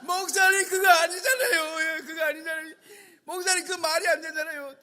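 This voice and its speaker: A pastor putting on a high, piercing young woman's voice, protesting loudly and pleading that she keeps getting dumped. It swoops up well above his own voice and echoes through a large church hall with long reverb. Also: a little fast, full character voice. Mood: indignant. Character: upset young woman student, jilted and indignant. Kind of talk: sermon anecdote acting.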